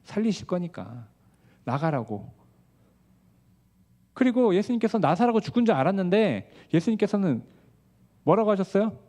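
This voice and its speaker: A male pastor preaching a sermon, asking the congregation questions and swinging between hushed asides and raised, emphatic passages. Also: high-pitched, sing-song, moderate pace, pauses often.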